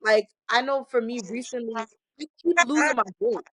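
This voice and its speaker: A woman speaking with lively, emphatic conviction as she shares her faith, slightly high-voiced and prone to laughter. The recording is dry and close. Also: moderate pace, no echo. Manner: animated, preachy, laughing, emphatic exhortations. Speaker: podcast guest. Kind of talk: casual testimony-style faith talk.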